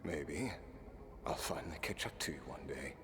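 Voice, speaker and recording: A man playing a weary, stoic immortal warrior in a video game, speaking in a measured, wry way. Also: extremely low pitch, expressive. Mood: wry, resolute. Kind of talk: scripted game character dialogue.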